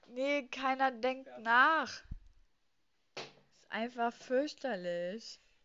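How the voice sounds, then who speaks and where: This woman speaks at a high pitch with ordinary pitch variation. Her pace is very slow, broken by long, frequent pauses. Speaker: nurse. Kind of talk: casual chat. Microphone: too quiet at first.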